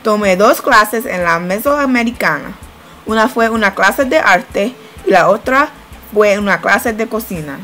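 A young American woman, a student, reads the voice-over narration for a study-abroad video with soft music behind her. Her medium-pitched, fairly bright voice is animated and unhurried, though her delivery is plain and careful, like a learner's.

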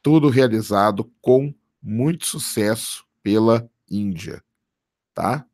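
Hoarse man hosting a livestream. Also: lowish voice, animated, slow, darkish tone, no echo, clean studio sound. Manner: casual, keeps adding "tá?" for confirmation. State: hoarse from a cold. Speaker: livestream host. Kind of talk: live commentary reading viewer chat.

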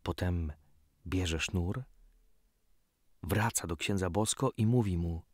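A man reading a scripted story as an audiobook narrator, in a measured, dramatic storytelling manner. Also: sits low, no echo, clean studio sound.

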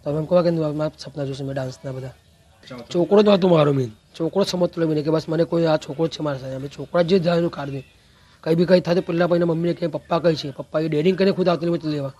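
A grieving man speaking haltingly in an interview about his child. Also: fairly high pitch, fairly even intonation, mellow. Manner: halting, stumbling speech. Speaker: grieving father.

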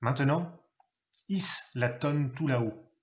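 A man doing a gruff mad giant father. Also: medium pitch, takes it slowly, natural voice. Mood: commanding. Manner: harsh shouted orders.

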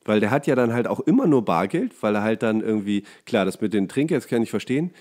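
A man's voice: lowish voice, big pitch swings, fast talker, darkish tone. A man chatting casually as a podcast co-host. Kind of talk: casual chat.

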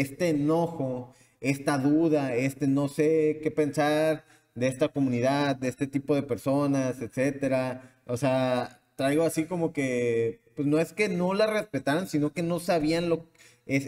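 A man talks through his views as a podcast host, rambling and stopping to answer his own questions. His voice sits a little high for a man. The sound rings out with a long, hall-like reverb. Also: a little mellow. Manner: rambling, restarts often, asks himself questions. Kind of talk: casual opinion monologue.

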